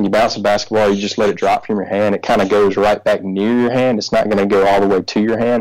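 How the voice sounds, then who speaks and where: A man's medium-pitched voice with a Southern US accent. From US South. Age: 30s. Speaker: chef. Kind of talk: casual interview. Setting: remote call from abroad.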